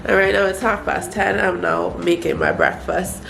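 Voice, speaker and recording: A woman's voice: mid-range voice, normal speed, gravelly. A young woman from Trinidad with a Trinidadian accent, chatting casually in a home vlog while stuffy and congested, with lots of fillers. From Trinidad and Tobago. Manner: relaxed, chatty, frequent fillers. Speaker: vlogger. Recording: echoey room, faint ambient noise.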